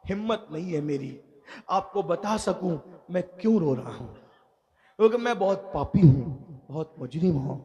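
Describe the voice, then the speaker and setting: A man preaching voices a young grave robber confessing in tears, his voice dropped low and pleading. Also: lively intonation, normal speed, dark tone, lo-fi sound. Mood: pleading remorse. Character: weeping young male grave robber, deeply ashamed.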